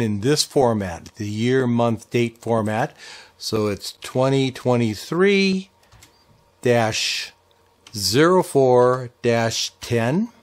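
A man in his sixties with a medium-pitched voice hosts an informal ham radio software tutorial. He explains things patiently and step by step in a folksy way.

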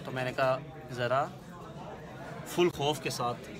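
A man's voice: mid-range voice, fairly even intonation. A young man in his twenties with a Pakistani Urdu accent, chatting and joking to a phone held at arm's length while at work on a call center floor. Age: 20s. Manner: chatty, joking, drawn-out pace. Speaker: vlogger, call center agent. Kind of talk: casual selfie vlog. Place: indoors, busy open-plan call center floor at night. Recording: loud crowd chatter behind. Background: chatter of a crowded office.

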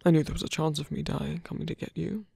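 A man acting a lovestruck villain in an ASMR roleplay, flirtatious yet sincere and protective, confessing haltingly in a breathy, husky voice that often drops to a whisper. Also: a little high, steady tone, warm tone, no echo, studio quality, heavily acted. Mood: earnest, pained. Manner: halting, hesitant confession with small sighs. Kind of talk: ASMR roleplay, intimate one-sided dialogue.

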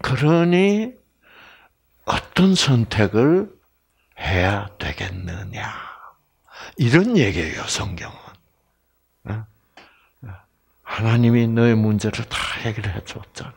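A middle-aged man from Korea gives a slow, unhurried health lecture, his pitch swinging widely up and down. He asks the audience questions and answers them himself, with plenty of fillers. At key points he sinks to a near whisper. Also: sing-song, gravelly, breathy edge. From South Korea. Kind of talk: health lecture with sermon-like passages.

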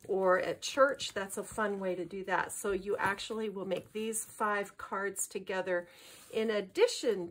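Cheerful middle-aged woman showing crafts. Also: mid-range voice. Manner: cheerful, enthusiastic, chatty. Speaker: craft kit presenter. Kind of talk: casual craft show-and-tell.

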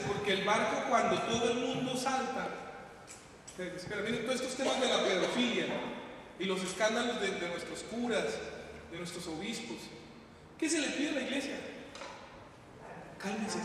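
A man preaching a sermon as a priest, impassioned, moving between loud calls and hushed pleas. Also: very high voice, slight background noise. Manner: impassioned, shifting from shouts to hushed appeals. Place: large church hall. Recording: echoey hall, distant mic.

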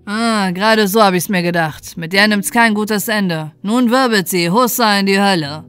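A woman voicing a gruff, gloomy village blacksmith in a fairy tale, blunt and loud. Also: medium pitch, moderate pace, soft background music, lightly acted.

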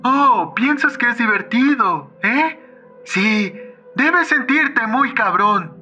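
A man voicing a small, angry, menacing teddy bear with a soft childlike voice in a horror audio story, taunting and belligerent. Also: extremely high pitch, expressive, slow, muffled recording, faint music behind, exaggerated voice. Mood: furious, threatening. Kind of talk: horror audio fiction acting.

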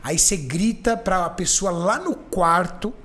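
A man's voice: sits high, a little slow. A man hosting a podcast, telling a story in casual chat and acting out the voices of the people in it. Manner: animated, acts out the voices in his stories. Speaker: podcast host.

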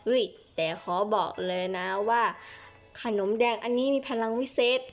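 A gentle, helpful snack shopkeeper in a game role-play, voiced by a woman. She explains things patiently, pausing and trailing off as she hunts for words. The voice sits fairly high, with soft music in the background. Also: close to an everyday voice. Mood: kindly.

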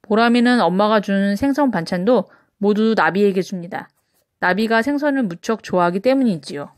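A woman narrating a children's picture book aloud in an expressive read-aloud style. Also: mid-range voice, moderate pace, no echo. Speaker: storybook reader.

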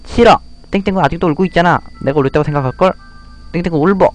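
A man's voice: a little high, rapid-fire, soft background music, pitched above the performer's own voice, natural voice. Man doing a sweet little girl's voice. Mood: tender teasing. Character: sweet protective little girl, gentle but teasing.

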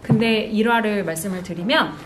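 A woman's voice: mid-range voice, brisk, a little hiss or hum. A woman in her thirties chatting casually and expressively to camera as a vlogger, showing off personal items with cute exclamations. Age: 30s. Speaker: vlogger, host. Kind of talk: casual product show-and-tell to camera. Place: bright small indoor room with sofa.

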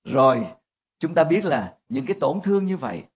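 An older man, a pastor, preaching a lively sermon and acting out family squabbles in voices. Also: fairly high pitch, normal speed, husky.

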